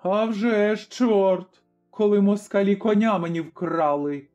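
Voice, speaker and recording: In a storybook reading, a man voices a grim, fearless Cossack father, speaking firmly and commandingly. His high voice is steady, a little slow and a little mellow, and the recording is slightly dull with faint music.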